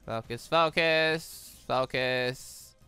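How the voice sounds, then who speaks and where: Extremely slow, with a sharp, clean tone at medium pitch, a gaming host muses aloud from move to move in excitable let's play commentary mixed with dialogue read-aloud. There's no echo; his dry, close voice sits over game music.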